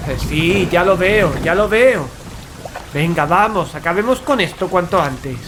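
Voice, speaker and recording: A man's voice: high voice, expressive, measured pace, background noise. An actor from playing a fearful male paranormal investigator, telling horror in an anxious, ornate, dramatic way. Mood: nervous insistence. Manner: anxious, ornate, dread-laden delivery. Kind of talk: dramatic first-person horror narration and radio-play dialogue. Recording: dramatic music, rain and thunder behind. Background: music, rain, thunder.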